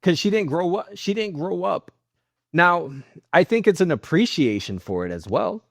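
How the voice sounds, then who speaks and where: A man talking informally on a podcast panel, halting now and then as he gathers his thoughts. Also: high-pitched, very animated, creaky, dry recording, studio quality. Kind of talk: casual panel discussion with personal anecdotes.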